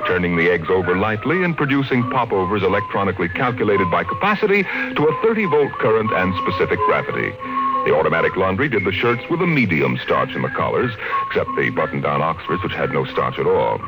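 An American man narrating a 1950s radio drama in a measured, theatrical manner as a vivid storyteller. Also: lowish voice, sing-song, poor audio. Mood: vivid, wry. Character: omniscient storyteller, grave and vivid. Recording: old radio broadcast recording. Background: loud dramatic music.

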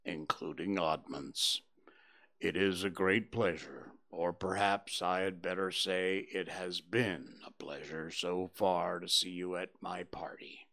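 A man's voice: sits low, fairly even intonation, a bit bright, dry recording, voice pushed down, exaggerated voice. Eeyore, a man doing a gloomy donkey. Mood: solemn. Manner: slow, sighing, mournful drawl. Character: gloomy old male donkey, self-pitying. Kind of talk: storybook reading.

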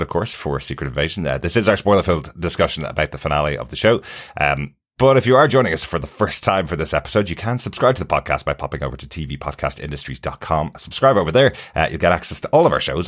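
A man hosting a podcast, making announcements and introducing the discussion in a casual, conversational way. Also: rumbling low. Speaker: podcast host.

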